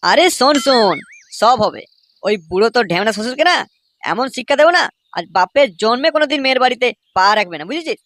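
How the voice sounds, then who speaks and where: A bossy, boastful older guy from a comedy cartoon acted out by a woman. The voice is high and quick, scolding and swaggering, with faint noise behind it. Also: expressive, fairly bright tone. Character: bossy, boastful older neighbourhood pal, a man.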